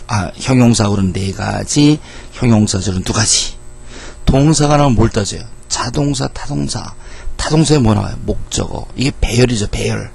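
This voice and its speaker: Gravelly-voiced man teaching English. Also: on the low side. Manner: lively, asks and answers his own questions. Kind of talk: grammar lecture.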